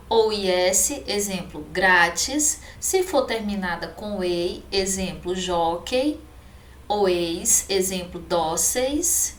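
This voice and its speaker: A woman teacher with a Brazilian accent explaining a lesson, slowly stressing each example word. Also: mid-range voice, fairly bright tone. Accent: Brazilian Portuguese. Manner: slow, careful, stretches example words. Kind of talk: recorded online class. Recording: echoey room with faint noise.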